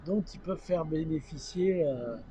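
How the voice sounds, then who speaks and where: A male interviewer with a fairly high, mellow voice. He asks pointed questions and slips teasing jokes in between them. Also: normal speed, a little hiss or hum. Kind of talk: radio interview.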